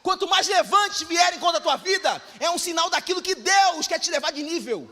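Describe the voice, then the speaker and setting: A man with a Brazilian Portuguese accent preaching a fervent sermon, often rising to shouted exhortations, in an echoey church hall. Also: extremely high pitch, lively intonation, brisk. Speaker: pastor.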